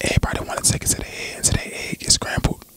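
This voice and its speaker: Soft-spoken whispering rushes by at a very fast pace over loud background noise, with a dry sound and no echo. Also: man. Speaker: ASMR creator. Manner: soft close-mic ASMR whisper. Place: home room. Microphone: studio mic.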